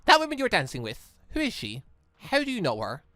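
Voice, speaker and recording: A man's voice: high voice, wildly swooping pitch, fast, pushed and bright, no room sound, full character voice. A man voicing a poised, shrewd young woman in a visual novel, speaking formally and inquisitively. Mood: suspicious.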